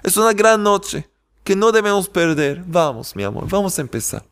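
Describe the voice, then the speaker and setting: A man doing a gentle humble shoemaker. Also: sits high, sing-song, normal speed, smooth, exaggerated voice. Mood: tender. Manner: soft, tender, pleading.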